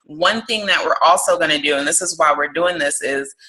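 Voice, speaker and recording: Over a phone or computer call with rough audio, a course host leads a casual crystal course conference call. Her voice is low-pitched and sharp, fairly quick, and she stays chatty and encouraging, addressing everyone as "y'all."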